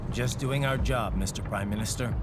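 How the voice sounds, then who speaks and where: A man's voice: on the low side, normal speed, heavy background noise, lightly acted. A man playing a stoic cyborg bodyguard. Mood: calm. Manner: calm, terse, soft-spoken. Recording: game cutscene with loud music behind.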